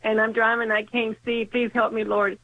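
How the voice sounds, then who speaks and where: A woman's voice: on the high side, flat delivery, moderate pace. Congested woman on a tinny phone line. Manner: earnest storytelling, repeats words. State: congested from a sinus infection. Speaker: radio show caller.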